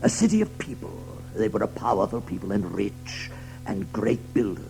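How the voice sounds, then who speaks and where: Children's audio drama: older male badger, gravelly, animated, hospitable, given to chuckles and repeated phrases. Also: on the low side, normal speed, soft background music, low-quality recording. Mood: reflective, storytelling. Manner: hesitant, chuckling, repeats his words.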